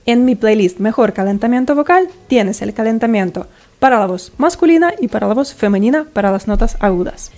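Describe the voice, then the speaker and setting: A woman's voice: mid-range voice, a little mellow. A woman singing teacher explaining vocal technique step by step and checking in with the listener.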